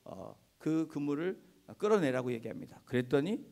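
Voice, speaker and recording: A middle-aged male pastor giving a Sunday sermon in a church, telling stories gently and often affirming himself with "ye". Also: on the high side, very animated, normal speed. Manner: gentle storytelling with frequent "ye" affirmations. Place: church sanctuary.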